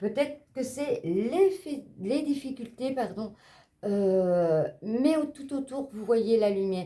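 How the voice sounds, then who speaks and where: The speech comes at a very slow pace. Its pitch swings very widely. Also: woman, high pitch for a woman. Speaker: tarot card reader. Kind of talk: tarot reading. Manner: hesitant.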